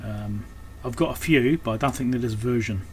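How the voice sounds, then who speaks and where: At normal speed and in a medium pitch, a man who repairs electronics and hosts videos talks through his hands-on work at an indoor workbench. He's casual and unscripted, musing aloud and letting thoughts trail off. Clear background noise and room ambience can be heard.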